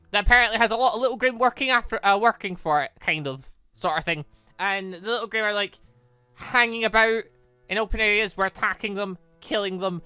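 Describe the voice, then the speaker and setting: A gaming host with a bright, forward voice talks through a playthrough casually. The delivery rambles conversationally, as if thinking out loud, with music playing behind it. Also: mid-range voice, clear, resonant tone, no echo. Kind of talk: casual gameplay commentary.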